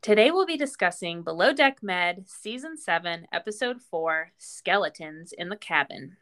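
A woman's voice: on the low side, lively intonation, normal speed, fairly bright tone, faint music behind. An American woman co-hosting a podcast, moving between scripted intro and casual chat. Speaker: podcast co-host.

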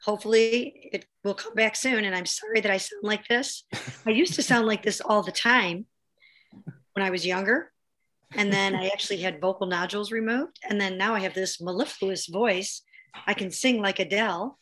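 Hoarse woman, casual panelist on a sports podcast, matter-of-fact. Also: mid-range voice, normal speed, fairly bright tone, poor audio. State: losing her voice, hoarse.

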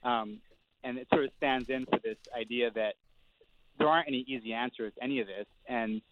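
A man's voice: medium pitch, steady tone, brisk, no echo. A male reporter speaking as a guest in a panel discussion, hesitant with many fillers and restarts. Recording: tinny phone line with clear noise.

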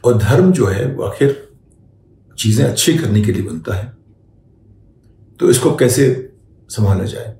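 An older man giving spoken opinion commentary as a show host, deliberate and measured, often posing rhetorical questions. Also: mid-range voice, animated, gravelly, warm tone. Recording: echoey room, faint background noise.

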